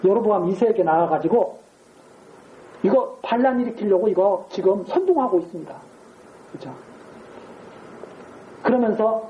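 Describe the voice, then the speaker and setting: Woman preacher, sermon in a roomy church, swoops up and down a lot, kinda muffled recording w faint hiss. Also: medium pitch. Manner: conversational, rhetorical questions, acts out quotes. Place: church sanctuary.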